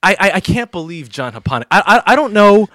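A man's voice: high voice, sing-song, a little fast, fairly bright tone, no echo. Teasing male podcast host, dry sound. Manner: teasing and boastful, stammers when worked up. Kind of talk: casual podcast banter.

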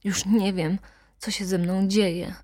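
A woman's voice: medium pitch, little pitch movement, slow, dark tone, no room sound, clean studio sound. A woman voicing a distraught young woman who speaks in a hard, defiant tone.

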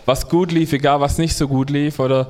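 A man preaching a sermon to a congregation, earnest and halting, often restarting his phrases. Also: on the high side, steady tone, darkish tone.

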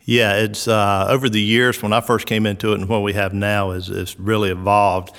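Middle-aged Southern man, low-pitched, easygoing, filler-heavy, heard with long reverb. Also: little pitch movement, fairly bright tone. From South Georgia, US. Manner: unhurried, lots of "uh" and "um" fillers. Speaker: resort recreation director. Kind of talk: relaxed interview answers.

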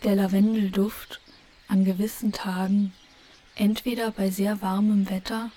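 Mellow, even-voiced woman narrating. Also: medium pitch. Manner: measured, contemplative, with lingering repetitions. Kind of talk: literary narration in an audio play.

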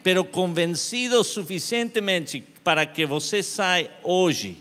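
A man preaching a sermon and telling a story, impassioned, his voice swinging from hushed to loud. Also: high-pitched, a little slow, long reverb tail.

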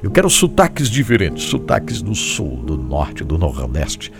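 Deep gravelly-voiced Brazilian radio host. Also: male voice, unhurried. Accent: Brazilian Portuguese. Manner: animated and encouraging, repeats phrases. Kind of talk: devotional radio show, addressing listeners. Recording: music playing behind the voice.

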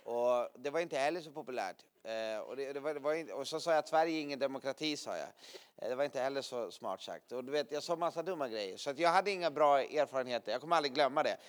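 A man's voice: mid-range voice, lively intonation, smooth. A man preaching a sermon to a gathering, telling vivid stories with sound effects and frequent laughter. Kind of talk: sermon with lively storytelling.

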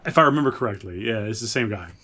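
A man's voice: lowish voice, animated, very fast, a crowd in the background. A man hosting a podcast, chatting casually about games and films as he reads out and reacts to suggestions. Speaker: podcast host.

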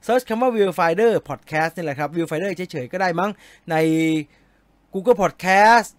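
A man hosts a live movie news stream, chatting and joking with his viewers in a polite, easygoing way. His voice sits high, and it is recorded dry and close with no room sound. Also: slow pace, no echo. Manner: chatty, jokey, polite particles. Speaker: movie talk show host. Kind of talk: casual live-stream chat reading viewer comments.

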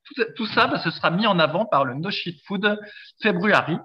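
A man talking casually on a podcast in a slightly higher voice, rambling along and often stopping to restart his sentences. The recording sounds dull and lo-fi. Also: lively intonation, normal speed. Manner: rambling, frequent hesitations and restarts. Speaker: podcast co-host.

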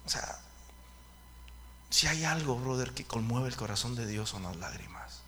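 With slight background noise, a man delivers a fervent sermon, repeatedly addressing his listeners as brothers. His mid-range voice is expressive and fairly bright, moving at a normal speed.

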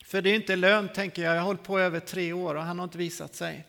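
A man in his forties preaching a sermon, telling his own story in a lively way and acting out the scenes. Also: sits high, vocal fry. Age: 40s. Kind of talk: sermon testimony. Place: church hall. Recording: long hall reverb.

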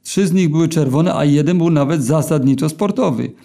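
A man reading his own short story aloud in a deadpan way, with filler hesitations. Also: on the high side, a little fast, creaky. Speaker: narrator.

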